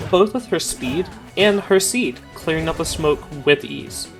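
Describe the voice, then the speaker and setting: Moderate-paced speech over music in the background. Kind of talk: game strategy commentary.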